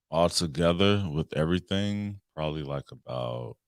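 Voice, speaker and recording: A man's voice: extremely low pitch, dry recording, studio quality. An American man in casual, slangy conversation, telling personal stories as a talk show co-host. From Cincinnati, Ohio, United States. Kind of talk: casual chat, personal storytelling.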